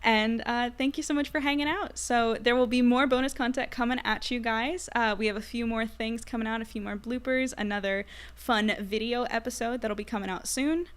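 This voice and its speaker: A woman's voice: fairly high pitch, fairly even intonation, brisk, few pauses, clear, resonant tone. A woman hosting a casual group trivia podcast, chatting informally. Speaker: podcast host.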